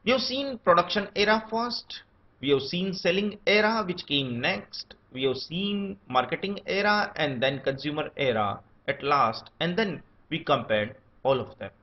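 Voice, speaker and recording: A man's voice: on the high side, a little slow. A man with an Indian accent giving a scripted academic lecture, listing his points one by one. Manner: steady enumerating delivery, lists points one by one. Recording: dull lo-fi recording.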